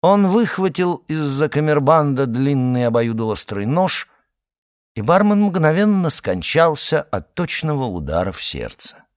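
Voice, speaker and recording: A man reads a story aloud with theatrical flair. His pitch roams widely and the recording is close and dry with no room sound. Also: unhurried, no echo. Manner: animated, theatrical. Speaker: narrator. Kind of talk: expressive audiobook reading.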